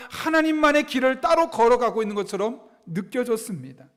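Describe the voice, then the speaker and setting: A male pastor with a very high voice preaches a Sunday sermon in a church sanctuary. He keeps putting rhetorical questions to the congregation and leads them through a unison scripture reading. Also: fairly bright tone.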